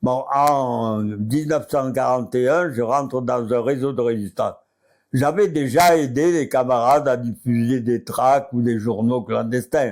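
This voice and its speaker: At a very slow pace, the voice comes through on a very clean recording against a silent background. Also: man. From Lot, southwest France. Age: 80s+. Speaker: former resistance fighter and deportee. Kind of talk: interview answer. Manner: alert, lively.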